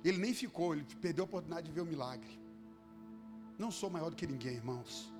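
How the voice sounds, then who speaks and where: A man's voice: fairly high pitch, expressive, fast. A man, a pastor preaching a sermon and telling a story with passion, acting out the people he quotes. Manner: impassioned, acts out quoted voices. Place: church hall. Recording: long hall reverb with faint music.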